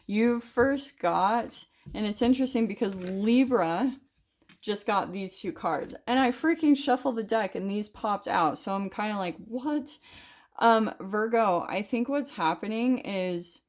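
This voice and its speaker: A woman's voice: medium pitch, darkish tone. Laid back lady doing a tarot reading, chatty, lots of um and like. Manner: chatty, loose, swears casually, many fillers. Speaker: tarot reader. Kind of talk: casual tarot reading to camera.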